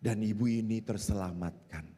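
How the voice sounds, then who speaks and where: A man, a Catholic priest, preaching an animated sermon, putting questions to the audience and acting out the voices in his stories. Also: fairly low pitch, moderate pace, breathy edge. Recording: hall reverb.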